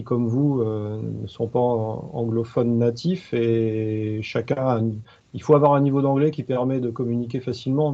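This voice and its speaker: Man, gravelly, hesitant webinar panelist, lo-fi call sound. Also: mid-range voice, warm tone. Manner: hesitant, many restarts and fillers. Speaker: expert evaluator panelist. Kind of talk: webinar discussion.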